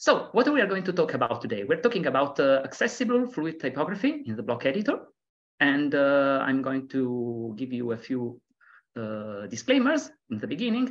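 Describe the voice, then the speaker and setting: Speaking with an Italian accent, a man with a fairly high pitch swings his voice very widely at a moderate pace. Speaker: web accessibility specialist. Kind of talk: lecture.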